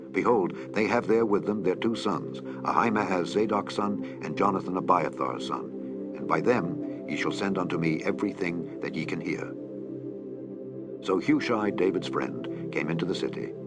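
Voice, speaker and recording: A man reading scripture aloud in a measured, solemn way. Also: deep voice. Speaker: Bible reader. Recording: reading over clear background music.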